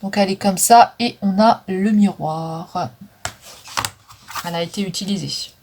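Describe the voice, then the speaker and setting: A woman's voice: mid-range voice, a little slow, background noise. A woman chatting casually through a makeup declutter, with frequent fillers, stumbling over English names. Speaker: vlogger selling makeup. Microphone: phone.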